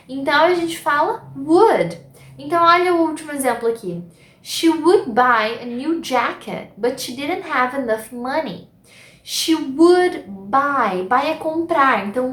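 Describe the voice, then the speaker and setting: High-voiced Brazilian woman teaching grammar. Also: fairly bright tone, reverberant. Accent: Brazilian Portuguese. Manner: patient, explains step by step with Portuguese translations. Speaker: English teacher. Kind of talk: online grammar lesson.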